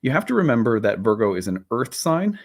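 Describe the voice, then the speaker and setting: A man in his thirties, a little hoarse from a cold, hosting a relaxed, rambling talk about astrology. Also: medium pitch, fairly quick. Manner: relaxed, rambling, with many fillers and restarts. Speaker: astrology teacher and channel host. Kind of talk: casual solo talk to camera.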